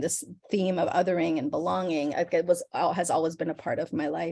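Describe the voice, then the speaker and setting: Talking at a fairly quick pace, a woman has a normal speaking voice with a fairly low pitch. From US Southwest, Tempe, Arizona. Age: 50s. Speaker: early childhood mental health researcher. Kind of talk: keynote lecture.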